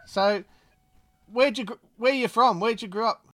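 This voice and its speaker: A man's voice: high-pitched, moderate pace, fairly bright tone. An Australian man co-hosting, asking friendly questions and making joking asides. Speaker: podcast co-host. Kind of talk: casual interviewing.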